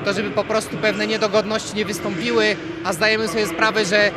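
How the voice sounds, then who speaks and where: A man in his forties speaks into a handheld microphone outdoors in a big stadium, in an explanatory, official tone. His voice sits high for a man. Loud stadium noise fills the background. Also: flat delivery, brisk. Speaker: interviewee. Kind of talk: outdoor interview. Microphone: handheld reporter microphone.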